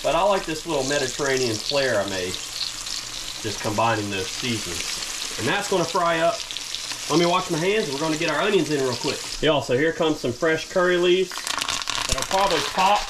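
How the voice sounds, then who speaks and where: Man over clearly noisy audio. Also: a little high, animated, moderate pace. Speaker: fishing and cooking vlogger. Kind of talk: casual instructional narration while working. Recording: noisy action-camera audio, outdoors and kitchen.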